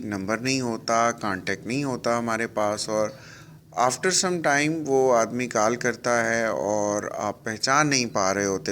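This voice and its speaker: A man with a South Asian accent teaching spoken English, explaining and repeating example phrases slowly and deliberately. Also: mid-range voice, fairly bright tone, slight background noise.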